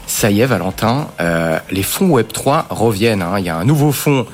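A man's voice: fairly low pitch, expressive, moderate pace, faint music behind. A man hosting a business talk show, introducing guests and topics and asking follow-up questions in a broadcast studio. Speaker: radio and TV show host.

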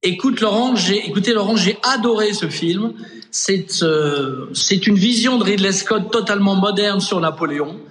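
Remote male guest, high and eager, stumbling over words, echoey room sound. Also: moderate pace, a bit bright. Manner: enthusiastic, stumbling restarts. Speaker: guest on video link. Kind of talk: remote interview.

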